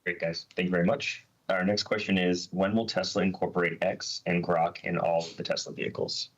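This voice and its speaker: A man's voice: low-pitched, level tone, a little fast, muffled recording. A man moderating an earnings call, thanking speakers and reading out questions.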